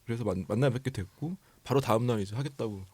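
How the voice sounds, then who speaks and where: A man, a film director, explaining his casting choices in an interview in a measured way. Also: mid-range voice, a little mellow, husky, dry recording.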